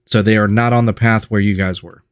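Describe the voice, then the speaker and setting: A man's voice: fairly low pitch, steady tone, fairly quick, smooth, no echo, clean studio sound. A man narrating as game master of a tabletop game, describing scenes in a loose, self-correcting way.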